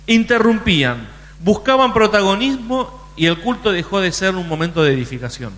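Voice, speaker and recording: A man's voice: high voice, big pitch swings, normal speed, fairly bright tone, in a large hall. A man preaching a sermon in a conversational way, often restarting his sentences. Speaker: pastor.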